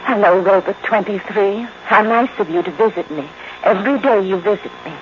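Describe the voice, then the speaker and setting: Low-voiced, obsessive housewife played by an actress. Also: female voice, natural voice. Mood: possessive, commanding. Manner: intense, deliberate, repetitive, commanding. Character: possessive, unstable housewife commanding her robot. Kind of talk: 1950s radio drama acting. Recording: dull noisy old radio recording.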